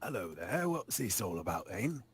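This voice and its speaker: A man's voice: lowish voice, very animated, moderate pace, slightly rough, exaggerated voice. Man playing a genteel, swooping, courteous adventurer. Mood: genial, diplomatic. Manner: courteous, wordy, diplomatic. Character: polite, genteel male adventurer smoothing over quarrels.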